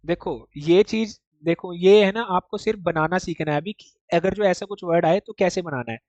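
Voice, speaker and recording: A language teacher leads an online class, speaking at medium pitch and normal speed with a darkish tone, recorded dry and close without room sound. Japanese writing is broken down piece by piece in Hindi peppered with English terms, with frequent checks on understanding like "ठीक" and "देखो".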